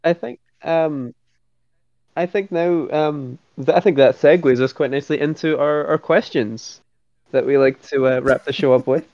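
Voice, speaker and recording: A man's voice: fairly high pitch, normal speed, darkish tone, dry recording. Laid-back male podcast host, dull lo-fi sound. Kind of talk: casual film podcast chat.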